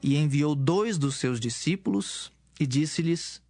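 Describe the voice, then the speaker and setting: Male narrator, fairly high voice, measured phrasing, scripted scripture drama, soft music bed.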